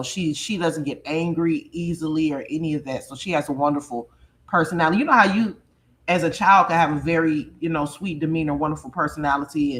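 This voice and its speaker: Animated, laughing woman from Chicago. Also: deep voice. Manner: animated, laughing, blunt and profane. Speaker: livestream host reading chat. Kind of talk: casual livestream chat.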